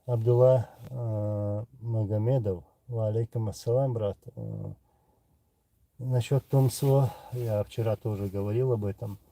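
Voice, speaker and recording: Casting: Chechen-accented male streamer, low and gravelly, unhurried, reading out viewer questions. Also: steady tone, dark tone, no echo. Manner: unhurried, pausing often with filler sounds. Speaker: livestream host answering viewer questions. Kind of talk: casual live chat reading comments.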